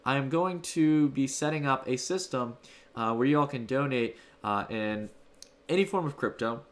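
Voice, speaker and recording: A man hosts a livestream from a room at home, casually thanking donors and answering chat in a loose, rambling way. His voice is medium-pitched and moves at a moderate pace.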